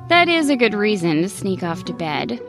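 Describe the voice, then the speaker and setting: A woman voicing a patient, gently firm fox aunt in a storybook, speaking lower and softer. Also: very animated, normal speed, music in the background.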